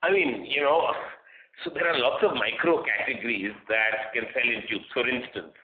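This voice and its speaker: A man's voice: medium pitch, moderate pace, narrow, tinny audio. A man, a company executive answering investor questions off the cuff, often checking understanding with small tags like "right" and "okay". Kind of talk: unscripted earnings call answers. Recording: echoey, thin phone conference line.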